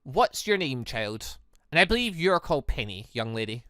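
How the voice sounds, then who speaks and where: A man's voice: mid-range voice, big pitch swings, moderate pace, sharp tone, dry recording, clean studio sound, pitched below the performer's own voice. Man voicing a stern, curt huntress instructor. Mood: stern, formal. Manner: formal, curt. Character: stern, clipped adult woman, academy huntress instructor.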